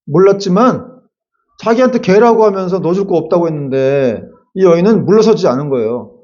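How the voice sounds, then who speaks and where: High-voiced man preaching a lively sermon. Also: a little fast, dull audio. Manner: lively preaching with acted-out quotes and asides. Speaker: pastor. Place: church sanctuary.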